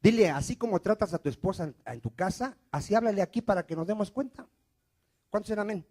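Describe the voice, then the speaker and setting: A man with a high voice preaches a sermon in church, questioning his listeners and answering himself. His delivery swings between loud, emphatic lines and quiet, falling endings. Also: expressive, fast. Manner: call-and-response preaching, asks questions and answers them himself. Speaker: pastor.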